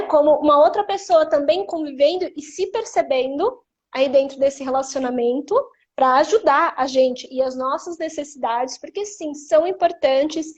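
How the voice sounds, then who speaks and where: A Brazilian woman hosts a live stream, her high voice thoughtful as she explains her points in long sentences. The audio is a little muffled. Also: a little mellow. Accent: Brazilian Portuguese. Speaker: host.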